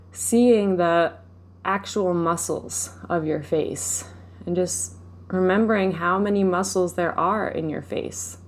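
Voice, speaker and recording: A woman leading a guided meditation, speaking gently and without hurry, giving instructions with pauses. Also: fairly low pitch, creaky. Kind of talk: guided meditation, live session.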